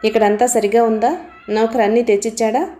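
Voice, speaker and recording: A woman reading the part of a confident, protective grown man who speaks in an assured, quietly commanding way. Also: a little high, level tone, brisk, close to an everyday voice.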